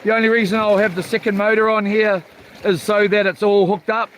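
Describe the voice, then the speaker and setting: A fishing livestream host with a high voice and broad New Zealand accent chats casually in a live vlog from a small boat at sea. His tone is level, fairly bright and a little fast, and the low-quality recording carries faint water and boat noise.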